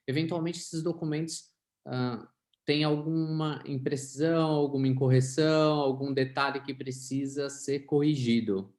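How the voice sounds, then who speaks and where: A man's voice: mid-range voice, darkish tone. Hesitant man moderating a live Q&A. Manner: hesitant, with fillers and restarts. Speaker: webinar moderator and lawyer.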